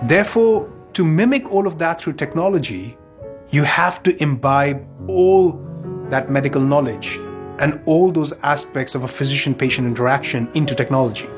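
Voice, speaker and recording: A man giving documentary interview testimony in a deliberate, explanatory way, posing questions and then answering them. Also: a little high. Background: guitar music.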